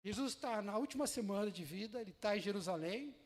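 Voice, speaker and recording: Brazilian pastor guy, pretty high voice, slangy lively sermon, big reverb. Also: brisk. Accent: Brazilian Portuguese. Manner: lively, colloquial storytelling, acting out scenes. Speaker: preacher. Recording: echoey hall reverb.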